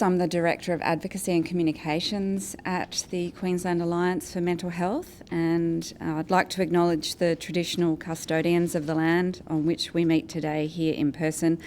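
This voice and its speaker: Low-voiced Australian woman giving a presentation. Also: darkish tone, slight background noise. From Australia, New South Wales and Brisbane. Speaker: guest speaker, advocacy and communications director. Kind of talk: prepared conference presentation. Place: event venue with an in-person audience.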